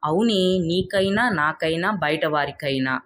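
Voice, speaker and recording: A woman's voice: sits low, measured pace, a bit bright, pitched below the performer's own voice. A woman voicing a kind, generous, poor village man in a moral tale, speaking earnestly. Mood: content, firm.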